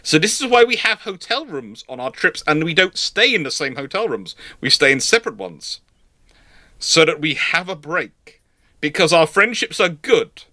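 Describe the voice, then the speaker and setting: A man's voice: a little high, very animated, normal speed, sharp tone, no room sound, clean studio sound. A man hosting a casual live question-and-answer chat. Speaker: host.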